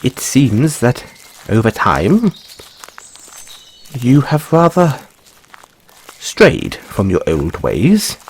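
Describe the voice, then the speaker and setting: Man playing a whimsical white rabbit boy, hugely animated pitch, slow delivery, fussy and courteous, stammering, fantasy audio roleplay. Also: a little hiss or hum, full character voice. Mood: earnest, musing. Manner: flustered stammering, ornate courteous phrasing. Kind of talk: audio roleplay addressed to the listener.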